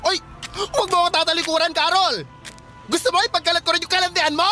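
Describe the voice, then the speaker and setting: A woman playing a feisty, sarcastic gay high school boy in a radio drama, with a dramatic, taunting, campy delivery. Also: fairly even intonation, fast talker, over music. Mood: sarcastic, furious.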